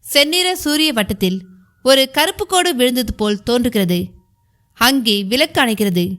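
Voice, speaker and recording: A woman narrating a historical novel as an audiobook, in a measured storytelling manner. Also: a little high, animated, fairly bright tone.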